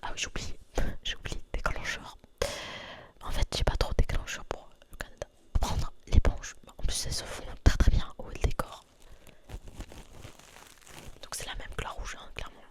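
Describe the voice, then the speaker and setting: A woman's voice: normal speed, long pauses. Whispering young French woman. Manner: soft whisper, repeating words over and over. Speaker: ASMR creator. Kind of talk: whispered ASMR with triggers. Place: dimly lit room.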